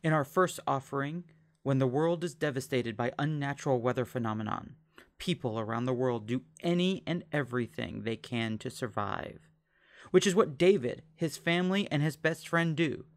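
A man's voice: medium pitch, animated, normal speed. A man hosting a podcast, reading scripted promotional narration. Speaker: podcast host.

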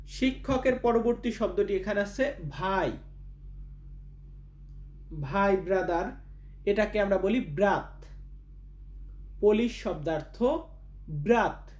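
A man hosting a vocabulary lesson, repeating each foreign word slowly and stretching out its syllables. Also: high-pitched, a little mellow. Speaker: language teacher, channel host.

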